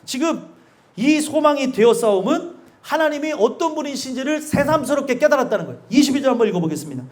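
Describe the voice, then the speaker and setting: A man's voice: very animated, quick pace. A male pastor giving an emphatic, conversational sermon and often asking the congregation questions. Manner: acts out quoted speakers with sudden drops in pitch and loudness.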